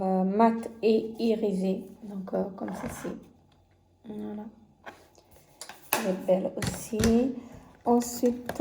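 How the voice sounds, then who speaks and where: Slow, hesitant woman reviewing makeup. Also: mid-range voice, mellow, echoey room. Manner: halting, many fillers and restarts. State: has conjunctivitis. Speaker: beauty vlogger. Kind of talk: casual makeup palette review.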